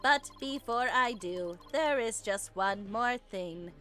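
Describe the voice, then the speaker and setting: A woman with a high voice reads video game dialogue aloud for a playthrough. She takes her time, delivering lines slowly and theatrically with a playful streak. Faint game music runs behind her. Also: expressive, a bit bright. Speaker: let's player reading game dialogue aloud. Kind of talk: gaming playthrough with dramatic read-aloud of characters.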